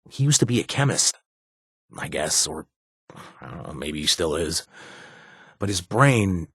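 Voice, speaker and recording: Low, husky reformed wasteland raider. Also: male voice, a bit bright, no echo, clean studio sound, full character voice. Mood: wry, reflective. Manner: halting, confiding, casual speech. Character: earnest, haunted reformed male raider in a post-apocalyptic wasteland. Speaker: companion character in a video game. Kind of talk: conversational video game acting.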